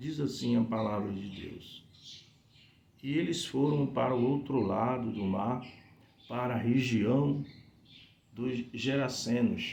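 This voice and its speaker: Soft-spoken and at a very slow pace, a man talks in a medium pitch with ordinary variation amid audible room echo. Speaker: lay preacher. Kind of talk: sermon.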